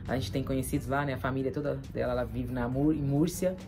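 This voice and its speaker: Fast-talking Brazilian woman, low voice. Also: steady tone, over music. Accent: Brazilian Portuguese. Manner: chatty, frequent tag questions. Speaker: vlog host. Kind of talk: casual chat.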